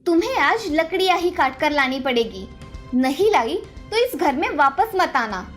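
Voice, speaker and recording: A woman's voice: high voice, very animated, moderate pace, soft background music. A woman voicing a harsh, bossy stepmother who scolds and taunts in a cartoon story. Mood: scolding. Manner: scolding, commanding. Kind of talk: cartoon voice acting.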